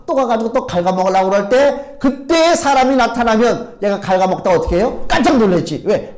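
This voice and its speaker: A male pastor preaching a Sunday sermon, full of rhetorical questions and sudden shifts from loud to hushed. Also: high-pitched. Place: church sanctuary.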